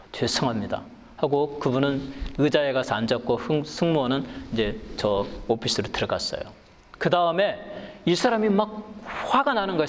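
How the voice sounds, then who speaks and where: A middle-aged man preaching a sermon as pastor, animated, swinging from low calm phrases to loud high emphasis. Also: a little hiss or hum. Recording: long hall reverb.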